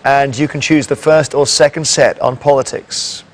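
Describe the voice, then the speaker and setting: A man hosting a TV quiz show, reading questions and introductions in a measured, dryly playful way. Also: mid-range voice, fairly even intonation, very noisy. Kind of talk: scripted TV quiz presenting. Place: TV studio.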